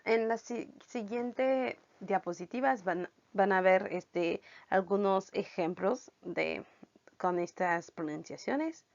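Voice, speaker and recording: A woman teaching French at a very unhurried pace, spelling out letter groups and repeating every sound patiently. Her voice sits mid-range, and the recording is dull and lo-fi. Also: medium pitch. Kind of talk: language lesson.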